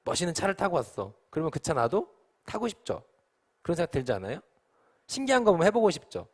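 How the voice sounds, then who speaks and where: Animated man preaching a lively sermon. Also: on the high side. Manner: animated, acts out the disciples' panic in quick asides. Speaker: pastor.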